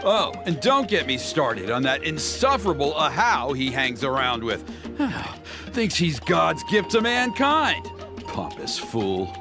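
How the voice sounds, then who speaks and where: An actor playing a courteous but exasperated tribal ceremony organizer in a video game, expressive and earnest. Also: male voice, on the high side, slow, exaggerated voice. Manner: expressive, dramatic grumbling and earnest pleading. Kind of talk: animated video game voice acting. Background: music.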